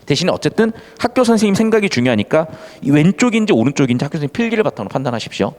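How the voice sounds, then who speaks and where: Animated male tutor in a reverberant room. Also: on the high side, very fast. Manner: animated, mixes casual and polite speech, acts out quotes. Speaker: Korean literature tutor. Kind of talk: exam-prep lecture.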